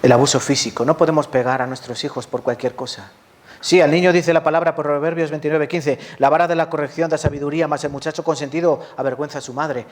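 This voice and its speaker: A man's voice: a little high, steady tone, quick pace. A man with a Spanish accent from Spain preaching a sermon as a pastor, passionate, asking the congregation questions and answering them himself.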